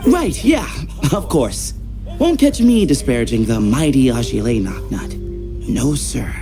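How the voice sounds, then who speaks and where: A man's voice: mid-range voice, big pitch swings, a little slow, music in the background. A man playing an easygoing young friend in a video game, casual, playful and fond of teasing. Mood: mock serious.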